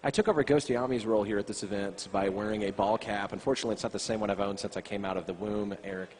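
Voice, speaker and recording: A young man casting an esports tournament, bantering in a deadpan, self-mocking way. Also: lowish voice, very fast. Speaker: esports caster. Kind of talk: joking esports commentary.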